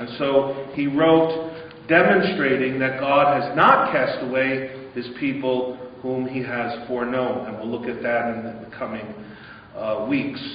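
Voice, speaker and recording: Amid light background noise and audible room echo, a man speaks at a fairly slow pace with fairly even intonation. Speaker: pastor. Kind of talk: sermon. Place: church. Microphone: podium.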